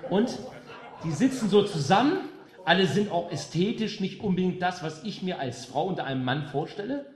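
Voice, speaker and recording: A man's voice: sits high, expressive, moderate pace, a little mellow. A man from West Germany addressing a live concert audience between songs, speaking emphatically with sarcastic jabs and rhetorical questions. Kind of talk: rousing political stage speech. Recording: roomy live room with faint music.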